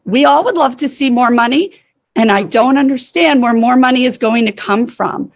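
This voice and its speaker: A woman's voice: sits high, moderate pace. A woman from the city staff speaking at a council meeting with a scratchy voice, concerned and defensive. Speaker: municipal staff member.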